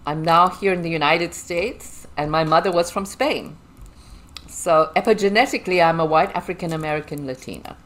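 Chatty Zimbabwean-accented woman, lowish voice. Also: normal speed, a little hiss or hum. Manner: chatty and animated, laughs often. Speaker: guest. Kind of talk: casual interview chat.

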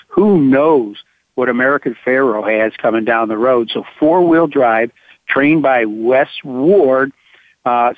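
A man hosting a racing radio show over a thin, phone-like line, his voice slightly hoarse. He stops often with "uh" and lifts with enthusiasm when he talks about winners. The sound is dry and close. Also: mid-range voice, no room sound. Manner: halting, full of uh fillers, enthusiastic about winners. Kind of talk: horse racing talk radio. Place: at home on a farm.

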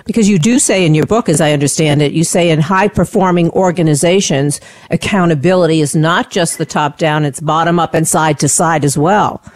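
A woman's voice: sits low, brisk. A woman hosting a conversational radio interview, thinking aloud as she restates points to her guest.

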